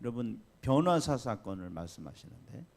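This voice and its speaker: Male pastor, sermon, conversational, animated swoops in pitch, laughs and asks questions. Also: normal speed, gravelly. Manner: lively, conversational preaching with laughs and rhetorical questions. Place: church sanctuary.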